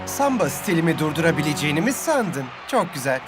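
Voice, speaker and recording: A smug star footballer. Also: male voice, fairly high pitch, big pitch swings, fairly quick. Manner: boastful, teasing. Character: cocky star male footballer. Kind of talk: dubbed cartoon acting. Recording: loud music under distant voice.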